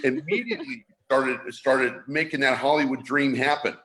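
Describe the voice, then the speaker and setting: Hosting a live show online, a middle-aged man from San Francisco talks casually, stumbling into frequent restarts and fillers. He speaks at a normal speed with a medium pitch and a steady, slightly bright tone.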